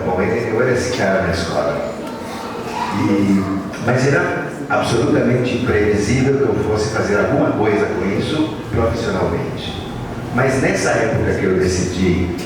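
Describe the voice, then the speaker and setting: A man, telling his life story to students at a school event in an unhurried, reflective way. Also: sits low. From Argentina. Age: 60s. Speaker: guest speaker. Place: large school hall. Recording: echoey hall from far off, with noise.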